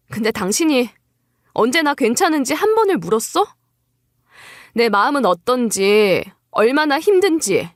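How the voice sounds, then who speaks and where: A hurt and exasperated wife in a narrated drama, acted by a woman. Her voice is fairly high and very animated, reproachful and full of emotion. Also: no room sound, clean studio sound.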